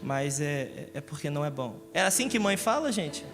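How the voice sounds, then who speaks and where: A man's voice: fairly high pitch, big pitch swings, a little fast. A man from Rio, preaching a live Sunday sermon, joking and asking his congregation questions. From Rio de Janeiro, Brazil. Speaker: pastor. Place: church service in a large hall. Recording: echoey church hall with music.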